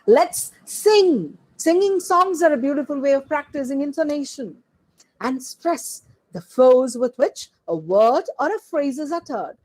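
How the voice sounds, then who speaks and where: A woman giving a slide-based lecture as a teacher trainer, listing her points one by one in a deliberate way. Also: husky, poor audio. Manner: slow, deliberate delivery with animated pitch; lists points one word at a time.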